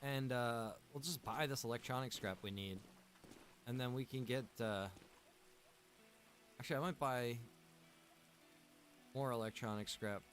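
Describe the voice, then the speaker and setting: A man's voice: medium pitch, a little slow, pauses often, a bit bright, soft background music. A man livestreaming from a room at home, chatting casually with his viewers in a rambling way full of "like" and "man". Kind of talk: casual chat with stream viewers.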